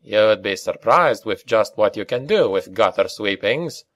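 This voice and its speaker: A man voicing a calm, wry Scottish mercenary with a lilting burr in an audiobook. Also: lowish voice, measured pace, no echo. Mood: measured.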